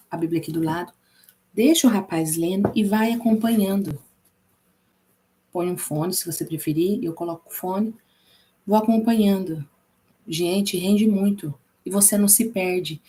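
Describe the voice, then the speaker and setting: Brazilian lady teaching a bible class, mellow warm voice, rambles and repeats herself. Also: medium pitch. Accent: Brazilian Portuguese. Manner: chatty, repeats herself, many fillers.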